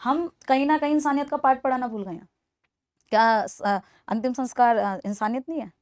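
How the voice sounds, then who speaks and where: A woman's voice: sits high, a little fast, no room sound, clean studio sound. A woman in her twenties from Delhi, answering a podcast interviewer in an earnest, persuasive way and repeating her points for emphasis. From Delhi, India. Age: 20s. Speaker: interview guest.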